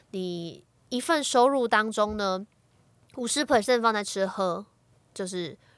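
A woman with a bright, sharp tone speaks at a fairly slow pace with lively intonation on a very clean recording with a silent background. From Taiwan, Miaoli (Hakka). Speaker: financial planner. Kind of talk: casual interview.

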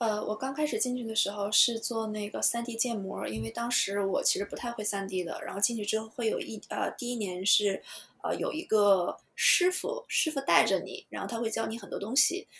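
The woman talks at a moderate pace with hardly any pauses. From mainland China. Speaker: game animator. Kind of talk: casual interview.

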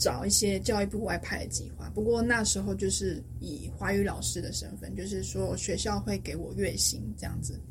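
Speaking at a moderate pace with hardly any pauses, a woman is heard amid audible room echo and noticeable background noise. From Taiwan. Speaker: Mandarin teacher. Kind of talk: interview.

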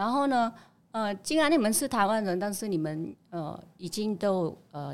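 On a very clean recording with a silent background, a woman with an ordinary speaking voice talks at a moderate pace with lively intonation. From Vietnam. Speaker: immigrant rights activist. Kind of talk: casual interview chat.

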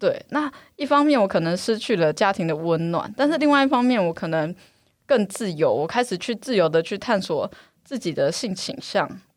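A woman speaks at a medium pitch and a moderate pace, with very wide pitch swings. The recording is very clean, with a silent background. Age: 30s. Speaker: hotline intern. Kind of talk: casual chat.

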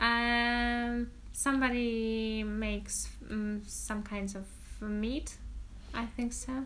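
A woman speaking at a very slow pace in a Russian accent. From Belarus. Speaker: podcast co-host. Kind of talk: casual chat. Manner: halting.

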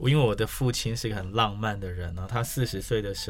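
Audible room echo surrounds a man's fairly low voice as he speaks at a moderate pace. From Taiwan. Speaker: political party leader and translation scholar. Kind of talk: interview.

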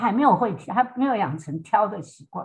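A woman's somewhat breathy voice moves in very wide pitch swings. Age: 80s+. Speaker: parenting author, retired executive. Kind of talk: interview podcast. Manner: hesitant, many fillers.

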